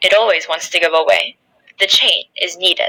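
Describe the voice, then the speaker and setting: A woman speaks in a put-on character voice at medium pitch and a moderate pace, with a dry, close sound and no echo. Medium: read story. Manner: calm, polite, quietly assured.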